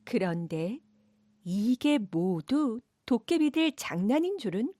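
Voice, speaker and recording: Woman storyteller for children's folktales, gentle and measured, dry studio sound. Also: fairly high pitch, very animated, no room sound. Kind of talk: storybook narration.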